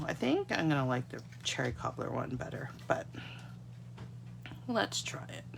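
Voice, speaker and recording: Her voice is fairly low with vocal fry, and slight background noise sits behind it. Congested and getting a cold, this Canadian woman chats with viewers while making cards at her craft desk in a casual live tutorial, seen only as hands from an overhead camera.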